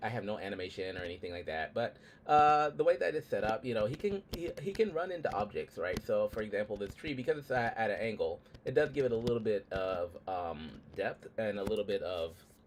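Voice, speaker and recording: A man's voice swings very widely in pitch against noticeable background noise. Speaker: game developer streamer. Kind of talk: devlog livestream. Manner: fast.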